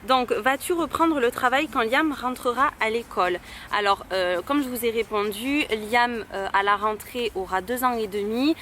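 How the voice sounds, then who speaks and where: Young woman from Toulouse, high-pitched. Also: normal speed, a bit bright, a little hiss or hum. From Toulouse, France. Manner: hesitant, many fillers. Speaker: YouTuber. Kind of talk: casual Q&A vlog. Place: outdoors.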